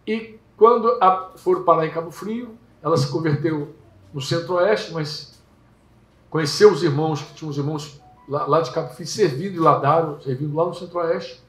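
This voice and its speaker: Carioca preacher telling a lively story. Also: male voice, on the high side, moderate pace. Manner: lively storytelling, acts out characters. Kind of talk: sermon. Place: small home gathering indoors. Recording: echoey room.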